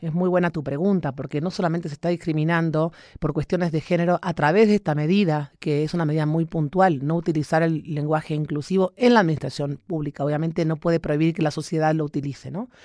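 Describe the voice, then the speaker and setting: In an Argentine accent, a dark, mellow voice races along at a very fast pace with hardly any pauses and fairly even intonation, the sound dry and close with no echo against a quiet background. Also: woman, very deep, low pitch for a woman. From Argentina. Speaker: academic in international relations. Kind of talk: radio interview.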